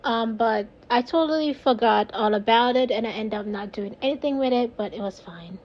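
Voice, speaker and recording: A woman's voice: on the high side, normal speed, highs cut off. A woman with a Jamaican accent casually narrating her own craft video, rambling and laughing at herself. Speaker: resin crafter, video host.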